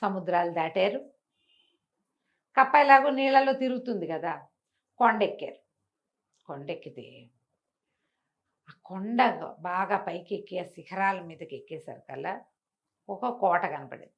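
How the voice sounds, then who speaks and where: A woman's voice: lowish voice, expressive, a little slow, pauses often. Woman storyteller, slightly dull recording. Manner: conversational, with repetition and acted dialogue. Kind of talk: animated oral telling of a bedtime folk tale.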